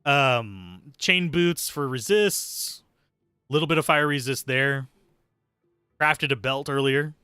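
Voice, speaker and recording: A man's voice: medium pitch, slow pace, bright, forceful tone, clear, resonant tone, no echo, clean studio sound, faint music behind. A man giving casual, sweary live gameplay commentary and chatting with viewers in a sardonic, self-deprecating way. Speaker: game streamer, host.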